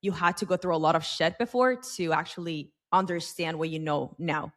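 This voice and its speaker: Podcast host, young woman, lower voice, rambling casual delivery full of "like" and "um". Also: a little fast, a bit bright. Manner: rambling, heavy use of fillers. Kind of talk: casual interview chat.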